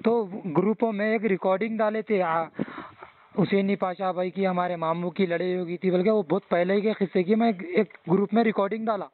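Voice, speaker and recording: A man's voice: sits high, steady tone, fairly quick. A man with a Hyderabadi accent explaining himself deferentially and repetitively as a caller on the phone. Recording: tinny narrowband phone line.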